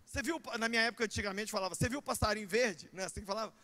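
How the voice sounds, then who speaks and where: A middle-aged Brazilian pastor preaching in church, his voice pitched unusually high and ringing bright. He swings into shouts and joking asides as he drives the sermon forward. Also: racing. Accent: Brazilian Portuguese.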